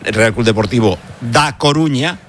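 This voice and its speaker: A man hosting live radio football coverage, talking quickly in a chatty, joking way. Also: mid-range voice, a bit bright, a little hiss or hum. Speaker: radio sports host.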